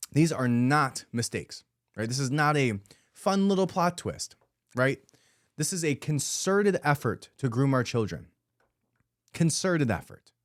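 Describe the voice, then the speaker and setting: A man's voice: medium pitch, no room sound, studio quality. A man hosting a podcast, giving an emphatic, indignant commentary monologue and repeating his points for emphasis. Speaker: podcast host.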